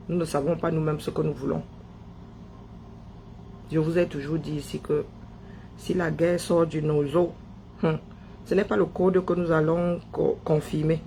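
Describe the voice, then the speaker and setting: A man's voice: a little high, creaky, dark tone, a little hiss or hum. A man from Cameroon, giving an impassioned political monologue full of emphatic repetition and rhetorical questions. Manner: emphatic, rhetorical questions, repeats phrases for effect. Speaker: online political commentator.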